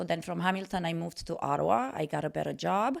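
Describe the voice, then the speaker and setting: Spoken with a Romanian accent, the clip is a very clean recording with a silent background. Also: woman. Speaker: former Olympic gymnast and fitness coach. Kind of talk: interview.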